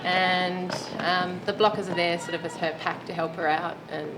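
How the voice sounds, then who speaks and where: A woman's voice: on the low side, fairly even intonation, normal speed. A woman in her late thirties, a roller derby player chatting in an interview and laughing now and then. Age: 30s. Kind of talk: casual interview answers. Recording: noisy background.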